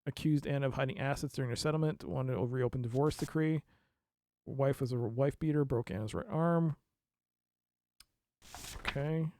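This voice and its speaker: A man's voice: medium pitch, moderate pace, pauses often, a little mellow, dry recording. A man streaming a mystery game, reading case notes aloud and reacting with laughs and asides. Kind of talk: casual let's play commentary.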